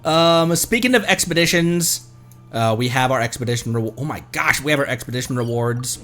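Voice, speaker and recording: A man hosting a live game stream with casual, expressive, self-teasing commentary. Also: mid-range voice, brisk, faint music behind.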